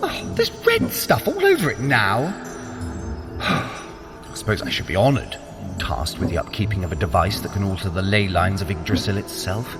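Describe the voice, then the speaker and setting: Mischief god, sly, sardonic, wildly varied intonation, lowish voice, audio drama. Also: male voice, wildly swooping pitch, normal speed, music in the background, exaggerated voice. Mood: exasperated, covetous. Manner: theatrical, sardonic. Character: sly, scheming god of mischief, younger brother. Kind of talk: scripted audio drama acting for a fitness app.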